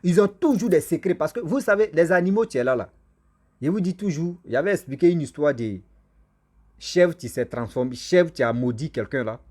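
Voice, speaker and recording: A man with a husky, slightly breathy voice pitched a little high for a man tells a folk tale to his online audience. He speaks French as a second language, and his first tongue is a local African language. He talks in a lively, repetitive way and keeps breaking off to address his listeners directly. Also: normal speed. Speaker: storyteller and channel host. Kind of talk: casual oral storytelling to viewers.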